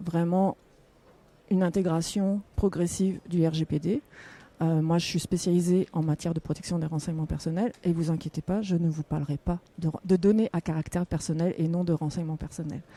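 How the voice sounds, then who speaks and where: Delivered at a moderate pace, this voice has a dark, mellow tone and fairly even intonation. No echo colors the dry, close sound. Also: woman, fairly low pitch for a woman. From Quebec. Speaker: lawyer. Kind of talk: conference panel talk. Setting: conference stage with audience. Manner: hesitant, many fillers.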